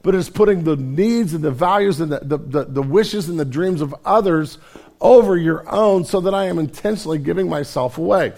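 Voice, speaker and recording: A male pastor preaching a sermon, hoarse and raspy from a cold, earnest and self-deprecating in a conversational way. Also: a little high, brisk, warm tone.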